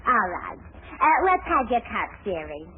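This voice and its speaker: A woman's voice: medium pitch, very animated, unhurried. A woman playing a brassy, money-minded gypsy fortune-teller in a 1940s radio comedy, sliding from grand patter into slangy offhandedness. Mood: theatrical, coaxing. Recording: tinny, band-limited 1940s radio broadcast.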